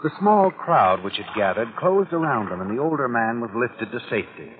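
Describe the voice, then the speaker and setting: Male actor for knowing, menacing storyteller of 1940s radio noir; medium pitch, thin vintage broadcast sound. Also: sing-song, fairly quick, narrow, tinny audio, a crowd in the background, natural voice. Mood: grim, intense. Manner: ominous, knowing, taunting. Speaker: narrator. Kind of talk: 1940s radio drama narration. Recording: band-limited old radio recording, music behind.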